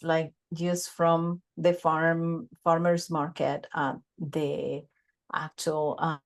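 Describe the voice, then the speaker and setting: Lady in her 40s, lowish voice, talks real slow with lots of ums, video call. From Bogota, Colombia. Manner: unhurried, many pauses and fillers. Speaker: guest. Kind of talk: casual interview, telling life story. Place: home office with bookshelves. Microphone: desk microphone on a video call.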